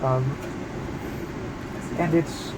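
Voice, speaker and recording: A man answering as an interview guest, measured and reflective, pausing mid-sentence. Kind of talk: casual conversational interview. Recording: noisy, air conditioning and vehicle rumble.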